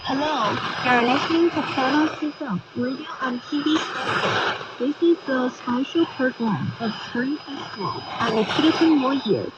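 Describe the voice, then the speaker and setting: Female radio presenter, high register, scripted narration, dull shortwave sound buried in heavy noise. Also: normal speed. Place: radio broadcast heard over shortwave receiver.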